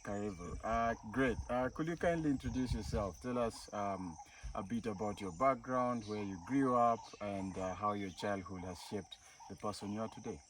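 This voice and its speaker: Male podcast host, polite and halting, recorded a bit far away. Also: on the low side. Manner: hesitant, polite, with many "uh"s. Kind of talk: interview hosting. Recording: distant mic with faint insect noise.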